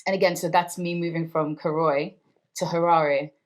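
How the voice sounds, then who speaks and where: A woman in her thirties from Zimbabwe, whose first language is Ndebele, reflects during an oral history interview, telling stories warmly and conversationally. Her voice is low and steady at a normal speed.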